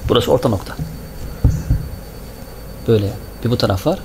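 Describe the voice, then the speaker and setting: A man's voice: medium pitch, moderate pace, creaky, background noise. A male preacher giving a sermon to a congregation, asking the listeners questions, answering them himself and repeating words in rhythmic runs. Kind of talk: Friday sermon talk to a congregation. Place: small mosque.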